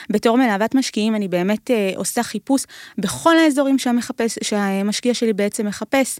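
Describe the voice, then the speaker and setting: A woman with a normal speaking voice talks at a moderate pace with a fairly high pitch and ordinary pitch variation, in a dry, close sound with no echo. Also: very clean recording, silent background. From Israel, Yavne. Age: 30s. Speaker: real estate investor and lecturer. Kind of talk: interview.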